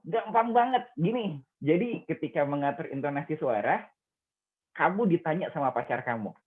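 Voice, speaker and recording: A young man, a radio and TV presenter, explaining speaking tips in an online discussion and acting out examples with big jumps in pitch. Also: expressive, normal speed. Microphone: video call. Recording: tinny phone-like call audio.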